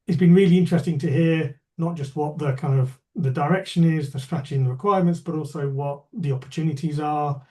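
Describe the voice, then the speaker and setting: Mellow-voiced man giving polite remarks. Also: fairly high pitch, fairly even intonation, fast talker, few pauses. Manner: polite, fillers and repeats. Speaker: chief executive. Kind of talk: closing remarks in a meeting.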